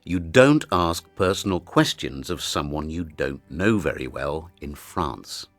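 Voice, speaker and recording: A man reading a scripted account for an English listening exercise, in a measured storytelling manner. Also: rumbling low, animated, no echo. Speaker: textbook audio speaker.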